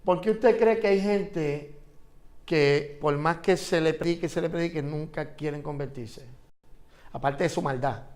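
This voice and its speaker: A man's voice: on the high side, unhurried, darkish tone. A man teaching an interactive Bible class, asking his students questions and repeating phrases for emphasis.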